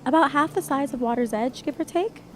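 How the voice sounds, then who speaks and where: A woman's voice: sits high, fairly quick, soft background music, natural voice. A woman playing a practical, matter-of-fact young water nymph in a naturalistic audio drama. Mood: wry, nostalgic.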